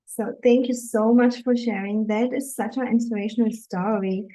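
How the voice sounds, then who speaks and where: A woman's voice: a little high, steady tone, moderate pace, mellow, poor audio. A woman from Germany, a dating coach, speaking to viewers in an earnest, encouraging live webinar talk.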